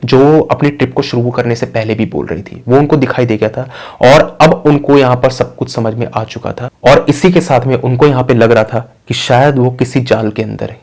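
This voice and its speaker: A man telling a real-life horror story in a low-key storytelling manner. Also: normal speed, darkish tone. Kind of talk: storytelling narration.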